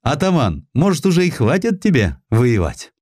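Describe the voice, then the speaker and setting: A man's voice: on the high side, huge pitch swings, moderate pace, a little mellow, no room sound, studio quality, pitched above the performer's own voice. A man voicing a cheerful young upper-class lady in an audiobook, playful and affectionate, with a lilting delivery. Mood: playful, curious.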